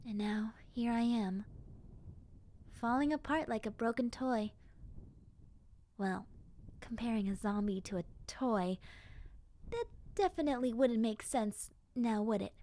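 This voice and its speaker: Zombie girl for audio drama, played by a woman: gentle, friendly, wistful; high voice, very unhurried, hesitant delivery. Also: lightly acted. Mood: wistful, resigned. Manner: soft, hesitant, sighing, childlike sincerity. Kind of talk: roleplay audio drama monologue.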